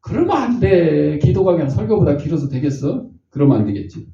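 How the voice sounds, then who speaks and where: Older male pastor, folksy sermon storyteller, lively pitch, dark tone, heard from afar in a roomy hall on a lo-fi recording. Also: fairly quick, vocal fry. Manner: folksy storytelling, acts out voices. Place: church sanctuary. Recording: echoey, distant, dull church recording.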